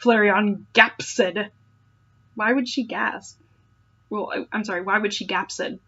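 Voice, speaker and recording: A woman's voice: mid-range voice, steady tone, slow pace, sharp tone, slightly rough, lo-fi sound. A woman reading fan fiction aloud with sarcastic, incredulous asides and exaggerated dramatic narration.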